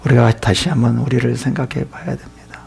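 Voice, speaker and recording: A male pastor preaching a sermon with a raspy voice, swinging from loud to whispered. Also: medium pitch, steady tone, fast talker.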